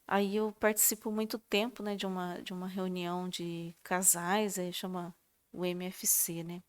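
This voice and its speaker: A woman chatting casually about her faith, laughing at herself and filling pauses with short tags. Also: on the low side, flat delivery, clean tone. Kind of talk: religious reflection, casual sharing.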